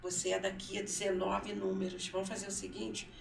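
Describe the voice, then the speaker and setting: A woman with a gravelly, creaky voice tells a personal story in an interview, acting out the words of the people in it. She sits a little away from the mic in a roomy studio, with faint background noise. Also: mid-range voice, completely flat delivery, a little fast, distant mic. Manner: storytelling, acts out her son's words, often repeats herself. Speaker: guest, mother. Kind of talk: emotional personal testimony in interview. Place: council studio.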